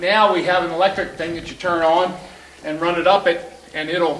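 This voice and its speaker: A man's high voice with fairly even intonation at a moderate pace, over noticeable background noise. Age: 60s. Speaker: slate and metal roofer. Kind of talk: live tool demonstration to an audience. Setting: conference hall. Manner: casual, conversational.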